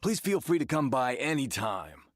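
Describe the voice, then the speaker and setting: A man's voice: mid-range voice, moderate pace, no room sound. A man voicing a kindly, rambling married villager in a video game. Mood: warm, caring. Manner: rambling, animated storytelling with sighs. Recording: game music behind the voice.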